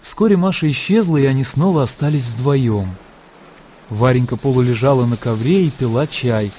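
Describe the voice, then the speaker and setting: A man narrating a classic story in a measured, calm way. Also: mid-range voice. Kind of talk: scripted literary narration. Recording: narration over background music.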